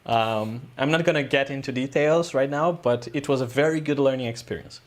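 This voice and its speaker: A man's voice: mid-range voice, fairly quick. A man, a guest filmmaker telling a story in a casual interview, rambling loosely with lots of "uh" and "um". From Brazil.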